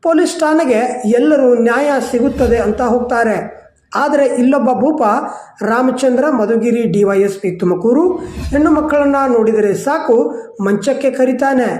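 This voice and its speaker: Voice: high voice, moderate pace, a little mellow, reverberant. A news anchor from Karnataka with a Kannada accent, reading a scripted news intro with dramatic, indignant delivery.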